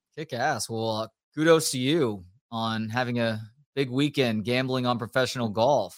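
Moderately paced speech from a man at medium pitch with fairly even intonation. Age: 40s. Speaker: sports radio host. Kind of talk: casual sports talk. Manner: loud.

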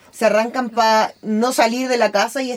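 A woman speaks over noticeable background noise. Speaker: podcast co-host. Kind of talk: casual chat.

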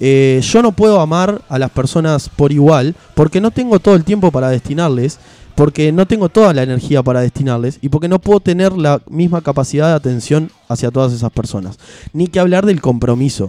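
A man with a dark, mellow tone and fairly high pitch speaks at a fairly quick pace with lively intonation. The sound is dry and close, with no echo. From Uruguay (Montevideo). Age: 20s. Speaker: radio host. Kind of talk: debate; casual chat.

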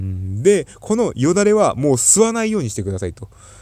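A man is speaking. His pitch makes very wide swings. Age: 30s. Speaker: drummer and podcast host. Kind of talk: solo casual talk.

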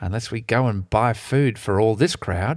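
In a dry, close sound with no echo, a man at fairly low pitch talks at a fairly slow pace with ordinary pitch variation. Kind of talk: scripture reading aloud. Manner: cheery.

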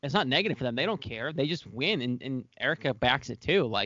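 Very fast and with lively intonation, a man speaks at a medium pitch. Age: 20s. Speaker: sports podcast co-host. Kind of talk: casual chat.

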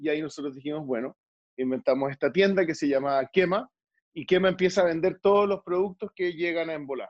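Speaking at a fairly quick pace, a man with a Chilean accent has a high voice and ordinary pitch variation. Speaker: journalist and comedy writer. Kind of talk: casual interview chat. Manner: halting, frequent repetitions.

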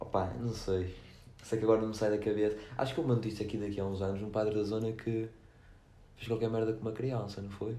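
A man with a European Portuguese accent talks very fast in a dark, mellow, somewhat breathy tone, his flat, monotone delivery broken by long, frequent pauses and carried by audible room echo. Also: fairly low pitch for a man. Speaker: podcast co-host. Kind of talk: casual chat.

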